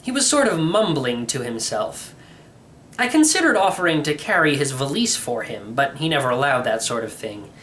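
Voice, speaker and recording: A man reading a children's novel aloud as expressive first-person narration. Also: mid-range voice, normal speed, a little hiss or hum. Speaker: audiobook reader.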